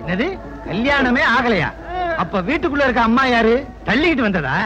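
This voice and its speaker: A man's voice: extremely high pitch, sing-song, fairly quick, pushed and bright, faint music behind, full character voice, rough recording. An actor playing a nosy, blunt village man, in 1980s Tamil film comedy. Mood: prying.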